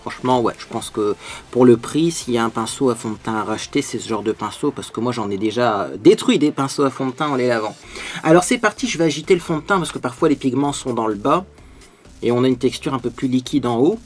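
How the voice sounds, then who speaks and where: A man's voice: mid-range voice, expressive, fast talker, slightly rough. A man vlogging as he gets ready, chatting and explaining beauty products, with many fillers along the way. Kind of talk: get-ready-with-me vlog, product demo.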